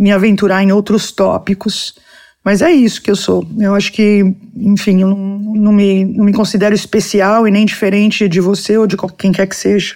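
A woman's dark, mellow tone in a monotone, flat intonation. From São Paulo city, Brazil. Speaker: psychologist. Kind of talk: interview.

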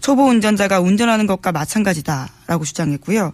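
In a normal speaking voice, a woman talks at a fairly quick pace with a medium pitch and ordinary pitch variation. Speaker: news magazine reporter. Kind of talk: news briefing.

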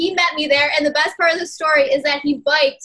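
Raising and projecting her voice, a woman speaks at a high pitch and a fairly quick pace with ordinary pitch variation. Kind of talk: casual chat.

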